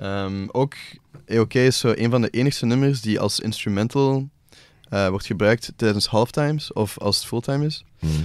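A man at a moderate pace, with ordinary pitch variation, dry sound without echo, and a quiet background. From Belgium, Antwerp; Belgium. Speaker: rapper and singer; guest. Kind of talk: casual interview chat. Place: studio. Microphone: studio mic.

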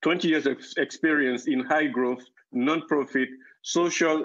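At a moderate pace and with ordinary pitch variation, the speaker talks against a quiet background. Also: man. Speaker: webinar host, moderator. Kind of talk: moderated webinar introduction. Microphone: video call.

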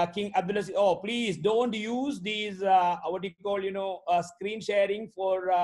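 Over a quiet background, a man speaks at a fairly slow pace. His pitch is high, with ordinary pitch variation. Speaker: webinar speaker. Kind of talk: lecture. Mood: polite, mildly annoyed at annotations. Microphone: video call.

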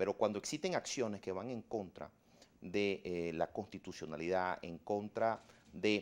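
A man speaks at a fairly slow pace. His pitch is fairly low, with ordinary pitch variation. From Venezuela, Guárico; Venezuela. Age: 30s. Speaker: regional legislator, opposition politician; opposition politician. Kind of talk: TV interview. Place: studio. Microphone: lapel.

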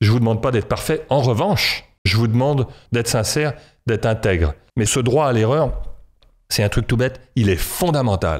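Against a quiet background, a man speaks with lively intonation. His pace is moderate and his loudness very even. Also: medium pitch for a man. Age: 50s. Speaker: entrepreneur, company founder; guest. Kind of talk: interview conversation. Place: studio. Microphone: studio mic.

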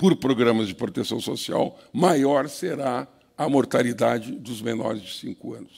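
The voice carries a Brazilian accent and vocal fry. Its pace is moderate, with ordinary pitch variation. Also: man. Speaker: public health researcher. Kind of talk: conference talk.

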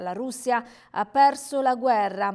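This woman speaks at a very slow pace in a high voice with ordinary pitch variation. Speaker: newspaper review presenter. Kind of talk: newsreading of press headlines and quoted columns. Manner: formal, steady reading pace.

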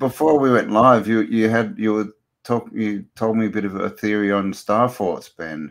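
A man's ordinary speaking voice, medium in pitch, at a fairly slow pace. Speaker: live stream host. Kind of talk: casual panel discussion. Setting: video call.

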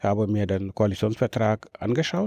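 Against a quiet background, a man with a fairly low pitch and a dark, mellow tone speaks with fairly even intonation in a dry sound with no echo. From Senegal. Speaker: member of parliament; politician interviewee. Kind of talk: interview. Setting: office in parliament building. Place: hall. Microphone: handheld.

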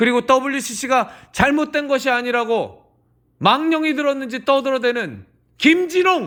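This voice has a bright, sharp tone, a very slow pace and ordinary pitch variation. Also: man, extremely high pitch for a man. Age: 50s. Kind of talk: appeal to viewers. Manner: impassioned.

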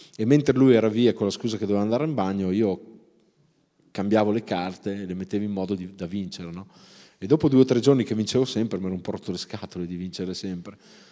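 Over a quiet background, a man with a fairly low, dark, mellow voice talks at a very fast pace, with ordinary pitch variation and big swings in loudness. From Romagna, Italy; Italy. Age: 30s. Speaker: novelist. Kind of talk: public talk. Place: hall. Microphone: handheld.

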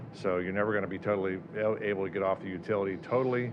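The speech comes at a very fast pace with fairly even intonation. Audible room echo and noticeable background noise fill the recording. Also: man. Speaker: energy services salesperson. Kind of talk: sales presentation at public meeting. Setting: county commissioner meeting room. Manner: loud.

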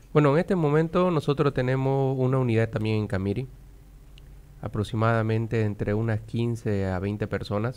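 A man talks moderately fast, his medium-pitched voice showing ordinary pitch variation. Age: 40s. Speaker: volunteer firefighter leader. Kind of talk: radio interview. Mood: earnest, serious. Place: studio. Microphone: studio mic.

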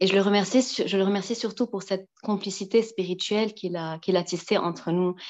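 A woman at a very fast pace over a quiet background. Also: fairly even intonation. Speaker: friend of the guest; guest. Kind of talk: spoken tribute. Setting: video call. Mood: warm, grateful, emotional.

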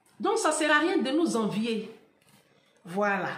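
In a room with audible echo, a woman with a high voice speaks fairly slowly, her pitch swinging very widely. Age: 40s. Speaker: vlogger. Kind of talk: vlog monologue. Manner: animated. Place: home room. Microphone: phone near.

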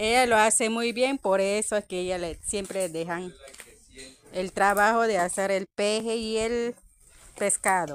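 Speaking at a very slow pace, a woman uses ordinary pitch variation in a dry sound with no echo. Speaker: family vlogger narrating. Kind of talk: casual vlog chat. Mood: cheerful, teasing. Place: garden. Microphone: phone near.

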